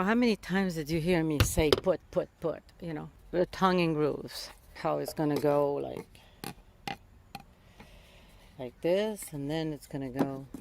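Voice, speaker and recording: A woman's voice: deep voice, creaky, darkish tone, a little hiss or hum. French-Canadian woman chatting casually, searching for words. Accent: Québécois French. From Montreal, Canada. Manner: searching for words, often rephrasing. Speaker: vlogger documenting a van build. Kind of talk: casual vlog chat.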